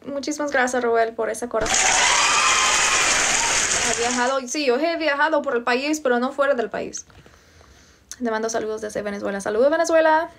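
The recording is very noisy as a young Virginian woman, speaking at a normal pace in a slightly high voice with many pauses, hosts a casual home livestream. Holding her phone close, she reads viewer comments, answers them, and greets people by name.

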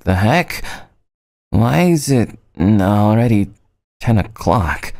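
A man voicing a drowsy, flustered, teasing male student in a scripted roleplay phone call, with a halting, sleepy morning voice. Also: lowish voice, big pitch swings, creaky, a little mellow, no echo, heavily acted. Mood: groggy. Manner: halting, stammering.

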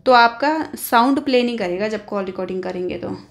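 A woman's voice: mid-range voice, fairly quick, creaky. An Indian woman hosting an informal phone tutorial, explaining step by step and often adding little check-in tags. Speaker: tech tutorial host.

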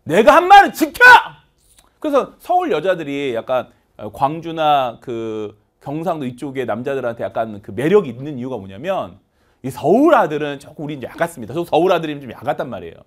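A man teaching English vocabulary in an online lecture, animated and leading chanted word drills. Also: mid-range voice, quick pace.

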